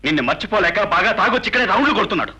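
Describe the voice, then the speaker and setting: A jealous young husband in a film drama. He taunts and threatens at a quick clip. His voice sits high and has a hard, bright edge. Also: animated, breathy edge, exaggerated voice. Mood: scornful. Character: jealous drunken young husband, cruel and accusing. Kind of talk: dubbed film acting.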